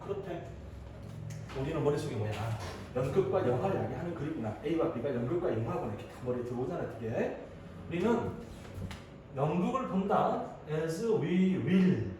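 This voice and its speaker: A man in his thirties teaching high school English, chatting and joking with his students as he calls on them to read. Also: very animated, brisk, far from the mic. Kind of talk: classroom lecture. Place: classroom. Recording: echoey room, voice off-mic, faint hiss.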